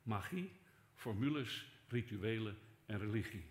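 An older man preaching a sermon as pastor, conversational, dropping to soft asides and rising for emphasis. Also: on the low side, expressive, unhurried. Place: church hall. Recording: echoey church hall.

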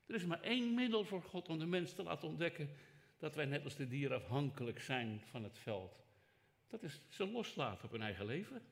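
A man preaching a sermon as pastor, emphatic and rhetorical, swinging from raised to hushed delivery and speaking straight to his listeners. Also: a little high, very animated, a little fast, gravelly. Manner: rhetorical, addresses listeners directly.

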